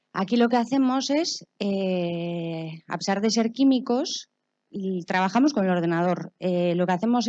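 Ordinary pitch variation shapes a woman's dark, mellow tone. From Navarre, Spain (Pamplona); Navarre, Spain. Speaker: computational chemist. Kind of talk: short talk. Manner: halting. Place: stage.

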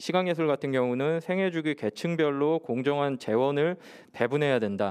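An ordinary speaking voice moves at a moderate pace with ordinary pitch variation and very even loudness. The background is quiet. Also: man, fairly high pitch for a man. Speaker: arts policy researcher; panel discussant. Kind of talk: conference presentation. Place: hall.

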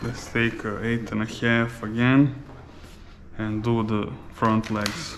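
A man with a Serbian accent, medium pitch, flat monotone delivery, a very slow pace with long, frequent pauses, and light background noise. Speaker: dog groomer. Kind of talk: grooming tutorial video. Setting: grooming salon. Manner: casual. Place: shop. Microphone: camera far.

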